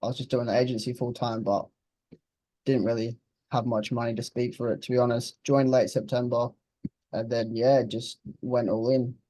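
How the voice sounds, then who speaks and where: Laid-back young man with a mellow voice. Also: medium pitch, flat delivery, normal speed, no room sound, rough recording. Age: 20s. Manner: laid-back, blunt, swears casually. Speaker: interviewed client. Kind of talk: casual interview chat.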